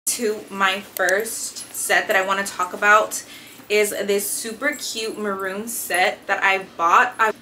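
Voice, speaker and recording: A woman's voice: mid-range voice, fairly even intonation, slow, sharp tone, slight background noise. A young woman reviewing gym clothes to camera in a small bedroom, chatty and enthusiastic with lots of filler words. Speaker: fitness and beauty vlogger. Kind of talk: casual haul review to camera. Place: small decorated bedroom, indoors.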